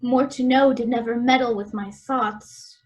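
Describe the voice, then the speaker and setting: A woman's voice: a little high, steady tone, a little slow, a little mellow, natural voice. A woman playing a tender young daughter in an amateur radio-play reading of Shakespeare, earnest and theatrical. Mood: curious, attentive. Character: Miranda, tender young daughter of an exiled magician duke.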